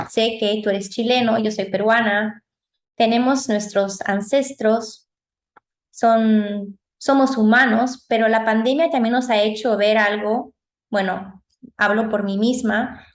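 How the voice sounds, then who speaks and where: A woman with a Peruvian accent interviewing a guest, speaking in a gentle, reflective way and searching for words. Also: medium pitch. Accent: Peruvian Spanish. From Peru. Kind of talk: conversational interview. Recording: roomy echoey sound.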